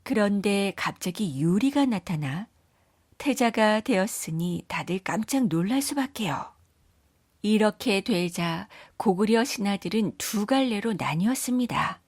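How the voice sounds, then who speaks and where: A woman reading scripted children's story narration in a measured, careful storytelling manner. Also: medium pitch, lively intonation, a little mellow, no echo, clean studio sound.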